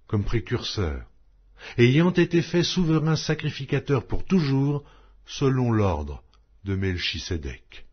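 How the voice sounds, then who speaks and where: A man reading scripture aloud as an audiobook, in a solemn, measured, declamatory way. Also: lowish voice, breathy edge, muffled recording. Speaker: audiobook Bible reader.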